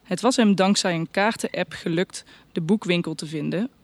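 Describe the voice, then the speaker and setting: A woman introducing a story she is about to read aloud, enthusiastic with quick asides. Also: fairly low pitch, no room sound. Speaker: reader at a reading night. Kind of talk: introducing a reading.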